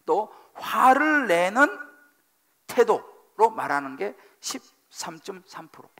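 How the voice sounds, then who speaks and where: A middle-aged man preaching from a church pulpit, his voice pitched very high and swinging widely as he drives points home. The tone is bright and edged with gravelly fry, and he keeps repeating phrases and firing questions at the congregation. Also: slow pace. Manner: animated preaching, emphatic repetition, questions to the congregation. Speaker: senior pastor. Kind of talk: sermon. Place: church sanctuary.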